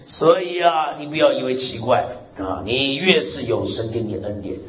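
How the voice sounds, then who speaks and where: A male pastor preaching a lively sermon with a loud, strong voice, exclaiming amen and hallelujah and laughing along. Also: medium pitch, normal speed, a crowd in the background. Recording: roomy, muffled recording with faint hiss.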